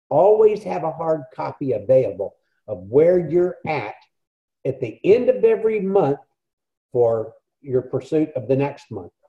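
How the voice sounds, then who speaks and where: A man in a Texan accent at a fairly slow pace, with very wide pitch swings and long, frequent pauses. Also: fairly high pitch for a man. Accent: Texan American. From Texas. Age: 70s. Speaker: network marketing leader. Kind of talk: webinar talk.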